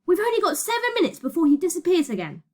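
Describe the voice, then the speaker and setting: A frantic, brave schoolboy from an adventure storybook, acted out by a woman, shouting urgently at a high pitch. The delivery swoops with alarm. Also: lively intonation, slow pace, full character voice. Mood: urgent, insistent.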